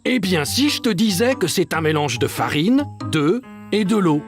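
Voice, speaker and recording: A gentle, teasing cartoon grandfather. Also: sits high, very animated, normal speed, soft background music. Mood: playful. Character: kind, playful grandfather. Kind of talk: cartoon dubbing.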